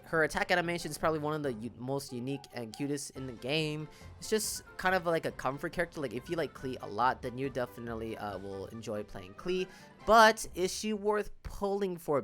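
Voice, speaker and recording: A man talks through game opinions in a casual video-creator style. His voice sits at a middle pitch, and he leans emphatically on repeated words. Music plays behind him. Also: fairly bright tone. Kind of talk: casual reaction commentary on game banners.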